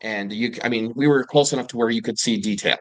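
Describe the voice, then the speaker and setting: A man telling his own eerie wilderness encounters in a casual, rambling way, with fillers and restarts and excited bursts when he quotes himself. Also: medium pitch, fast, no echo, rough recording. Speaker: panel guest telling paranormal encounters. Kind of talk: casual storytelling.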